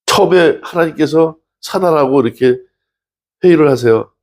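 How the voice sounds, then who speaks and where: A pastor with a slightly high voice preaches at a normal speed, keeping his sermon conversational. He asks the congregation questions and acts out the dialogue from scripture stories.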